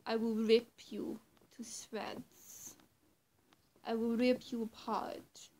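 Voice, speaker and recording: Casting: young woman acting female vampire for listener roleplay; higher-pitched, unhurried, teasingly menacing, dropping toward a whisper. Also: darkish tone. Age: young adult. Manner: halting, teasing threats with long pauses, often dropping to breathy near-whisper. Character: menacing, two-faced female vampire, sweet then threatening. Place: small room at home, indoors.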